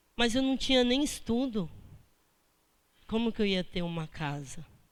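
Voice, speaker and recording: Speaking at a fairly slow pace, a woman uses a fairly high pitch with very wide pitch swings. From São Paulo, Brazil (born in Bahia, moved at five). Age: 40s. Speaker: housing movement activist and worker-school student. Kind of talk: personal testimony.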